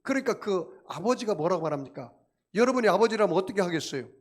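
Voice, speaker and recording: A man's voice: high-pitched, animated, quick pace. Emphatic male pastor preaching. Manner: emphatic, rhetorical questions to the congregation. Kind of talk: sermon.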